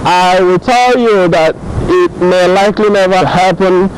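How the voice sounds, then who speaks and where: A man's voice: sits high, steady tone, measured pace, slight background noise, rough recording. A man with a Nigerian accent giving casual vlog commentary, often repeating and rephrasing his points. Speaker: YouTube host.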